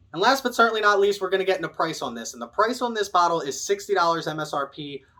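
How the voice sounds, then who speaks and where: A man's raised, projected voice, high in pitch and animated in tone, with lively intonation at a very fast pace. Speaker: bourbon review host. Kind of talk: product review.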